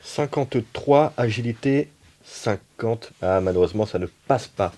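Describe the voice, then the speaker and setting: A man's voice: fairly low pitch, lively intonation, unhurried, darkish tone. A man playing an improvised tabletop role-playing game, bantering in and out of character.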